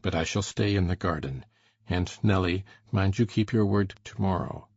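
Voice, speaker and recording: A fierce, brooding man, voiced by an actor, speaks with low, urgent intensity. His voice sits very deep and husky. The recording is dull and lo-fi, with a dry, close sound. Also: normal speed, darkish tone, no room sound. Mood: grim. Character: brooding passionate man Heathcliff, fierce and desperate. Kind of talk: audiobook drama reading.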